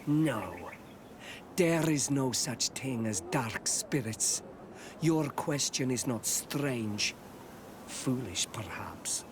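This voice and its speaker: An actor playing a guarded, curt tribal villager in a video game, with terse, formal, halting phrasing. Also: male voice, medium pitch, expressive, noisy background. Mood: wary.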